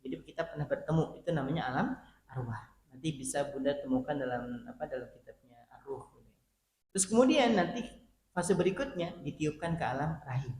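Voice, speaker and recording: A male preacher giving an animated sermon to a women's study group, acting out quoted voices as he talks to them directly. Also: fairly high pitch, fairly quick. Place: mosque hall. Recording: roomy mosque hall, faint background hum.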